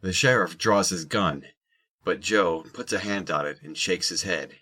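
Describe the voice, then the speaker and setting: A man's voice: low voice, a little slow, bright, forceful tone, breathy edge, dry recording. A man narrating a scripted audio drama.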